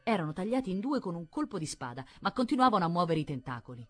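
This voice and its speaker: A woman narrating a literary audiobook in a measured, expressive manner. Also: on the low side, faint music behind. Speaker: audiobook reader.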